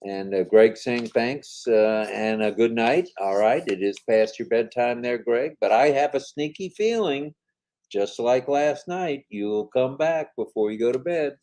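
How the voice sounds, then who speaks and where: A man's voice: mid-range voice, unhurried, darkish tone. An older man co-hosting a casual live-stream chat, reading viewer comments aloud in an upbeat, chatty way.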